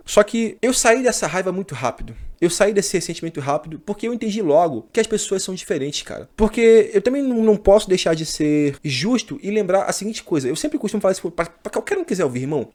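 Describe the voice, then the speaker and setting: A man's voice: high-pitched, a little mellow. A man in his thirties from Brazil, talking casually to his viewers in a slangy monologue that keeps calling them brother and man. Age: 30s. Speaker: channel host.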